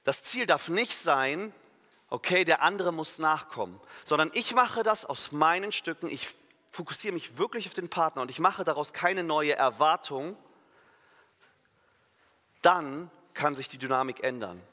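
A man's voice: a little high, expressive, measured pace, pushed and bright. Man preaching in an echoing church. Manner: emphatic, acts out imagined inner voices, self-corrects. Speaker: pastor. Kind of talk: sermon. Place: church hall. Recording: long reverb of a church hall.

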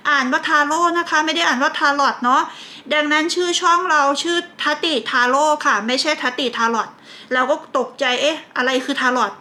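A woman's voice: high-pitched, a little fast, bright, forceful tone. A woman doing a chatty tarot card reading for her channel, laughing often and drawing out card names as she turns them. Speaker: tarot reader. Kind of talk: casual tarot reading to camera.

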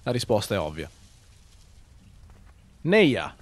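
Male streamer, sarcastic live play commentary, very animated pitch. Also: moderate pace. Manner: sarcastic, swears, mocks the game.

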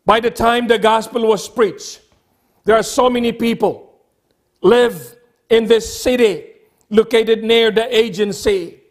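A middle-aged man preaching a sermon as a pastor, speaking deliberately in short, emphatic phrases with repetition. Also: very high-pitched, steady tone. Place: church sanctuary, at a pulpit.

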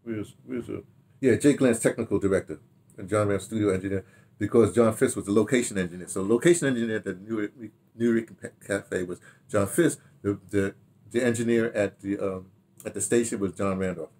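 An American man in his sixties reminisces casually in a rambling, halting way, repeating words and throwing in animated asides, recorded in a home study. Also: fairly low pitch. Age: 60s. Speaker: radio drama director telling his history. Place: small home study, indoors.

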